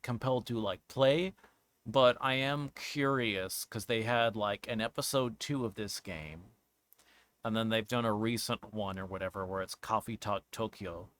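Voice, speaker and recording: A man giving casual, rambling commentary as a game streamer, halting and searching for words, often trailing off mid-thought. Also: on the low side, a bit bright. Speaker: streamer reviewing a visual novel game.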